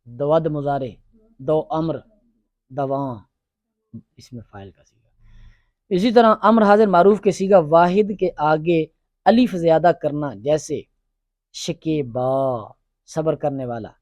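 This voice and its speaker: A male teacher giving a classroom grammar lesson, drilling his students with quick questions and repetitions. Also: fairly high pitch, darkish tone, no echo.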